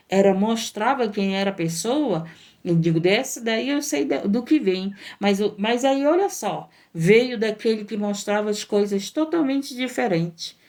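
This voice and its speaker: A woman missionary delivers a sermon. Her pitch sits in a middle range for a woman. She presses her points through repeated phrases and emphatic rhetorical questions. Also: a little mellow. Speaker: missionary preacher.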